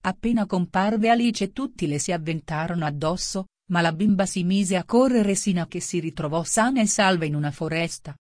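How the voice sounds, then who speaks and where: A woman's voice: on the low side, lively intonation, fairly quick, hardly any pauses, a little mellow, dry recording, clean studio sound. A woman narrating a storybook as an audiobook reader, sometimes reading punctuation marks aloud. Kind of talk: scripted narration.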